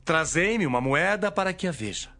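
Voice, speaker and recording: A Brazilian man playing an authoritative teacher, measured and declamatory, in a dramatized audio Bible. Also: a little high, expressive, sharp tone, faint music behind. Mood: authoritative teaching.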